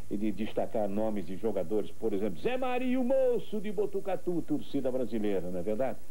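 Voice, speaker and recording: A man speaking at a moderate pace amid noticeable background noise. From Brazil, São Paulo state. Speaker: radio football commentator. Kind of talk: interview answer.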